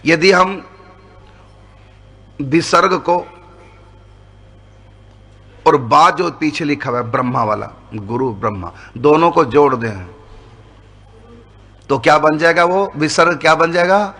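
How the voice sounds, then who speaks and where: Man, spiritual teacher, slow deliberate delivery, slightly high voice, patient explaining. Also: fairly bright tone. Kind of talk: devotional discourse explaining grammar.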